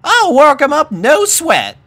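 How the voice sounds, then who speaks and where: A squeaky lil farm pony girl, super high, hyper and folksy, cartoon story. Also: wildly swooping pitch, slow, a bit bright, full character voice. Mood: eager. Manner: shrill, eager, folksy country talk. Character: excitable young country filly, small and playful.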